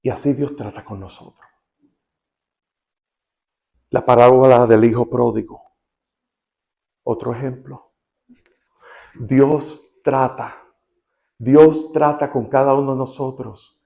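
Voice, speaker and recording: A man with a Cuban accent preaching a sermon, shifting between soft quoted passages and emphatic rising questions. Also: mid-range voice, steady tone, slow pace, creaky, long pauses, lo-fi sound. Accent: Cuban Spanish. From Cuba. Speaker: pastor.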